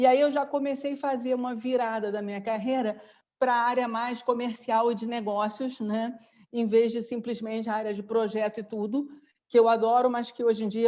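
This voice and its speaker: With a Rio de Janeiro accent, a woman talks at a moderate pace in a dark, mellow tone. Her pitch is fairly high and her intonation fairly even. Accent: Rio de Janeiro (carioca). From Brazil, Rio de Janeiro. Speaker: real estate executive. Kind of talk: interview.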